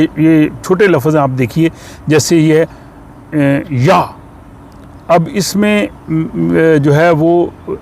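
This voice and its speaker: A man teaching a language lesson, explaining slowly and patiently with frequent pauses and fillers. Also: on the high side, darkish tone, a little hiss or hum. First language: Urdu.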